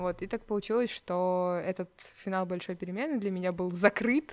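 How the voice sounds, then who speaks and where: A woman talks fairly slowly on a very clean recording against a silent background. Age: 20s. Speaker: youth work specialist. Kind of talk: casual chat.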